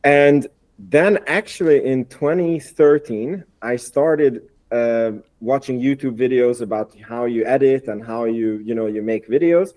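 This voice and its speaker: Mellow-voiced man from Hungary, chatty. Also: medium pitch, measured pace. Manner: chatty, repeats words, slightly non-native phrasing. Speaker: guest, investor and YouTuber. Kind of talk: casual podcast conversation.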